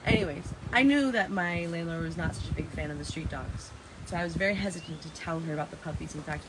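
A woman in her thirties with a raspy voice, chatting casually and dramatically to live stream viewers, repeating phrases for emphasis. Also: lowish voice, fast talker. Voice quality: raspy from heavy singing. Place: open porch of a house and its garden, outdoors. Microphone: phone at arm's length. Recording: noisy outdoor phone recording.

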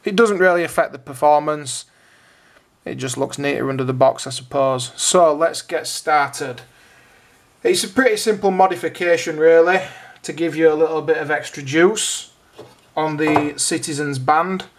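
A man's voice: a little high, moderate pace. A British man giving an informal how-to narration, explaining things step by step. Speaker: hobbyist video host.

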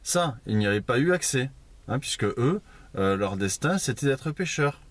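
A man's voice: medium pitch, lively intonation, normal speed, no echo. A man giving an informal Bible teaching at a house church, conversational, with many fillers and asides. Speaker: preacher.

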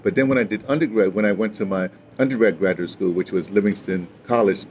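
A man's voice: on the low side, quick pace. An American man in his sixties telling stories casually in a rambling, digressive way, full of check-in tags. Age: 60s. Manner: animated, rambling, digressive, often ending phrases with "right?" and "you know". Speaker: guest recounting his radio history. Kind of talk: casual conversational storytelling. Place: outdoors, by a house with a wooden awning. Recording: clear background ambient noise outdoors.

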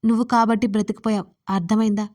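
A woman reading an angry young man, stern and loud. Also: mid-range voice, flat delivery, fast, lightly acted. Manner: stern, raised voice.

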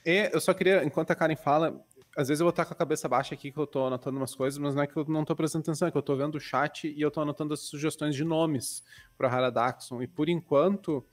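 Quick-talking male writer, slightly high, self-mocking humor. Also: steady tone. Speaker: guest writer. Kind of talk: casual panel chat on a live stream.

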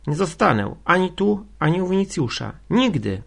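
A man's voice: medium pitch, sing-song, normal speed, vocal fry, darkish tone, husky, full character voice. A man voicing a young Christian woman who pleads in despair, in an audiobook reading. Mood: desperate.

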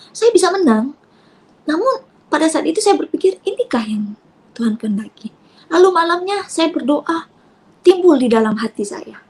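A woman giving an emotional personal testimony as a convert, tearful at times, dropping to soft near-whispers and rising to raised outbursts. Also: sits high, slightly rough.

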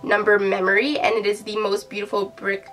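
A woman's voice: mid-range voice, flat delivery, a little fast, fairly bright tone. A young woman with a nasal voice from a cold, chatting casually and enthusiastically as she reviews beauty products. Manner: chatty, enthusiastic, many fillers. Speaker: beauty vlogger. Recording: voice from a distance with faint music.

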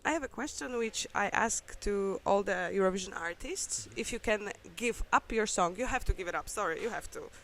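A woman's voice: mid-range voice, expressive, normal speed, hardly any pauses, slight background noise. A woman from Poland with a Polish accent, interviewing a guest in a chatty, giggly way with rambling questions. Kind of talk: casual interview.

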